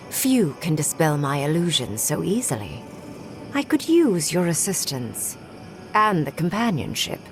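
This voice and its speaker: Game archmage: imperious and jaded, deep female voice, widely swooping intonation, dry disdain. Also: heavily acted. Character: haughty, jaded, powerful woman archmage. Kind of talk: video game character acting.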